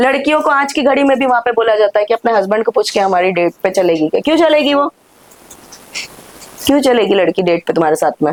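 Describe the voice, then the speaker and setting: A woman at a fairly high pitch, animated in tone with very wide pitch swings and very even loudness, in a dry, close sound with no echo. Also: moderate pace. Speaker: healer and tarot card reader. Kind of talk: podcast interview. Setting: studio podcast.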